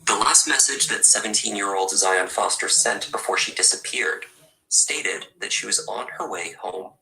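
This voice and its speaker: A man narrating a true crime video in a measured, scripted storytelling delivery. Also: on the low side, gravelly, bright, forceful tone, low-quality recording.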